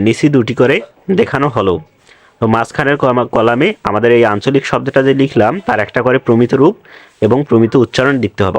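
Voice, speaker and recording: A young adult man teaching a class lecture, speaking slowly and spelling words out letter by letter. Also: mid-range voice.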